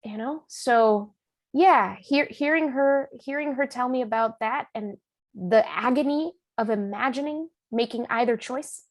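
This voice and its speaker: A woman author being interviewed, speaking in an animated, emphatic and informal storytelling way. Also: a little high, a little slow, no echo. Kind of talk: conversational storytelling in a public talk.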